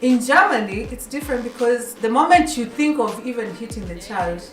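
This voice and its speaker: A woman's voice: fairly high pitch, expressive, moderate pace, echoey room, distant mic, soft background music. A woman from Kenya whose first language is Kikuyu, hosting a radio show in a chatty way, often repeating and restarting words. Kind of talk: casual radio chat.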